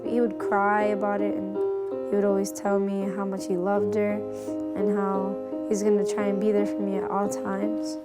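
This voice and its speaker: A young woman talks quietly in a documentary interview. Her voice stays flat and even. Loud piano music sits beneath her. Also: mid-range voice, normal speed.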